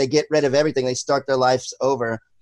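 A man speaks at a very fast pace, fairly high in pitch. The background is quiet and the sound is dry with no echo. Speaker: former pro skateboarder. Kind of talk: casual chat. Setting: video call. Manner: animated. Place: home room. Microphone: webcam.

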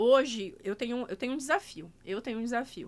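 Speaking at a moderate pace, a woman with a fairly high pitch uses ordinary pitch variation. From Brazil, interior of Pará. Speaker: podcast host, physician specializing in nutrition and weight loss; podcast host. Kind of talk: casual interview chat. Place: studio. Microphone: studio mic.

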